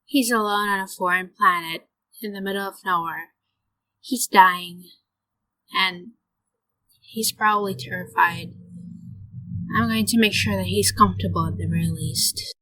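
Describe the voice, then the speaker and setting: A woman playing a soft-hearted, stubborn young woman in an audio drama, earnest and emotional, pleading her case. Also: mid-range voice, unhurried, pauses often, rough recording. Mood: upset, compassionate.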